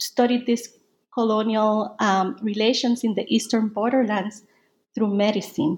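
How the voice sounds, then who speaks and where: With a Spanish accent, a woman speaks at a fairly high pitch. Her voice is somewhat breathy and her intonation fairly even. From Dominican Republic. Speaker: historian and author. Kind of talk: interview about her book, academic.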